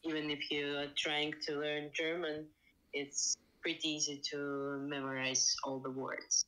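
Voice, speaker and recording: A woman's voice: deep voice, little pitch movement, unhurried, pushed and bright, poor audio. A woman with a Russian accent, speaking English as a third language as a podcast guest, hesitant and full of fillers. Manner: hesitant, many fillers and restarts. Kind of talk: casual interview talk. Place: Estonia.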